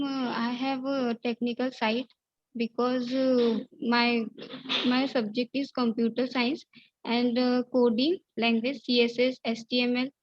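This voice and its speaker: A young woman with an Indian English accent, a native Hindi speaker, answering interview questions in halting English full of fillers over a video call. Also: fairly high pitch, dry recording, muffled recording. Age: young adult. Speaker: job candidate.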